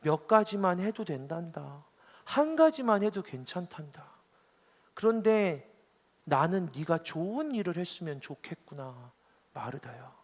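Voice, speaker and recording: A man voicing a gentle, consoling Jesus who speaks softly and slowly. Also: sits high, big pitch swings, exaggerated voice. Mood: tender. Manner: soft, slow, consoling. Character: gentle, tender male Jesus addressing a follower. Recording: reverberant church hall.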